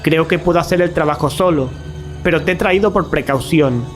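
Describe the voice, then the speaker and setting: An actor playing a resolute, grave young male student in an audio drama, speaking formal Castilian Spanish firmly and deliberately. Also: a little high, faint music behind, natural voice. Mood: commanding.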